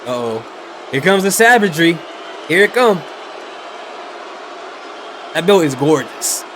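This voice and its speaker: A man's voice: a little high, big pitch swings, fairly bright tone, slight background noise, poor audio. A man hosting a reaction video, chatting casually and laughing as he jokes along. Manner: laughs a lot, quick joking asides.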